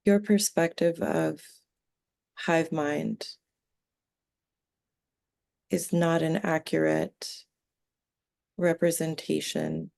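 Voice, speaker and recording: A woman speaking as a trance medium for a calm collective of extraterrestrial beings, in halting, solemn, formal phrases. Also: deep voice, creaky, exaggerated voice. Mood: solemn, detached. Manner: halting short solemn phrases with long breaks, formal wording. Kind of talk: trance channeling, seance medium.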